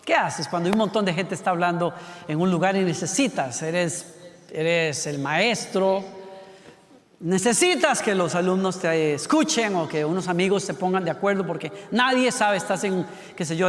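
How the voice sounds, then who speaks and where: A man preaching a sermon, moving from quick rhetorical questions to soft, almost whispered passages. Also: sits high, long reverb tail. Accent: Latin American Spanish. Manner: shifts from brisk rhetorical questions to hushed near-whispers.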